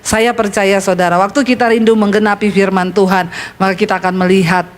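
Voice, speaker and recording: A woman pastor preaching a sermon, telling lively stories with jokes and speaking straight to the congregation. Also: mid-range voice, brisk. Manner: lively storytelling with jokes, addresses the congregation directly.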